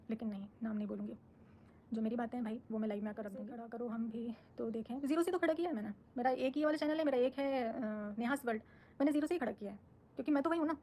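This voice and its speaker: A woman's voice: fairly high pitch, darkish tone, a little hiss or hum. A woman on a live stream, answering her viewers' comments in a firm, defensive, outspoken way. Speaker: social media creator on a live stream.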